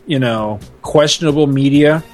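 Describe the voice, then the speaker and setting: A man's voice: medium pitch, moderate pace, faint music behind. A man hosting a podcast in a chatty, slangy, casual style. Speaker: podcast host. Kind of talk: casual chat.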